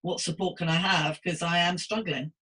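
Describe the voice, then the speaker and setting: A woman's voice: lowish voice, fairly even intonation, moderate pace, a bit bright, husky. A woman hosting a conversational podcast interview in an earnest, empathetic manner. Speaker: podcast host interviewing a guest.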